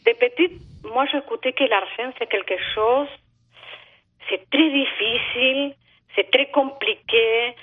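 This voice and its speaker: Argentine-accented woman caller, fifties, high-pitched and halting, heard over a telephone. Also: breathy edge. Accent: Argentine Spanish. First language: Spanish. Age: 50s. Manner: hesitant, many fillers, tag questions "non?". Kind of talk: phone-in conversation. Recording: tinny phone line.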